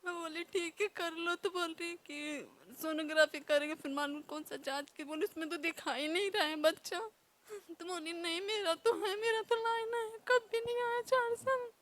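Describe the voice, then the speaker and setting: A woman's voice: extremely high pitch, moderate pace, fairly bright tone. A young woman gives an emotional, pleading personal testimony as a devotee, her voice breaking into tears.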